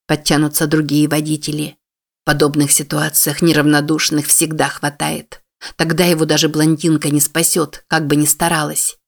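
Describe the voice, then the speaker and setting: Steady audiobook narrator. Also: mid-range voice, moderate pace, vocal fry. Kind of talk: scripted narration.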